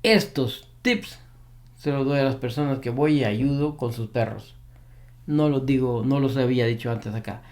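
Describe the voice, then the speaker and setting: A man's voice: medium pitch, moderate pace, a little mellow. Emphatic man giving dog-training advice. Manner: repeats key advice emphatically. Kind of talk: advice monologue to camera.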